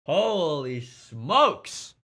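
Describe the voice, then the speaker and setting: A man's voice: fairly high pitch, sing-song, bright, forceful tone. A young man, a streamer whose first language is Mandarin, joking and swearing casually with his chat while playing a game, exhausted from a long day. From born in China, raised in the United States. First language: Mandarin Chinese. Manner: quick, joking and profane, talking to chat. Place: home streaming setup.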